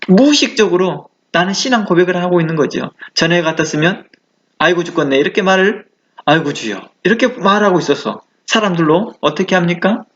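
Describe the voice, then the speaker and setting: Male pastor, conversational sermon, rhetorical questions, fairly high voice, muffled lo-fi audio. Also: expressive, brisk, few pauses. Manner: acts out quoted exclamations.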